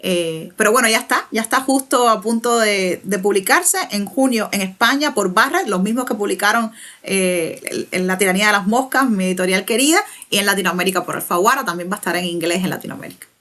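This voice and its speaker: A young Cuban woman with a Cuban Spanish accent, a writer answering interview questions thoughtfully, pausing and restarting as she searches for words. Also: mid-range voice, fairly bright tone. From Cuba. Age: young adult. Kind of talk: reflective conversational interview.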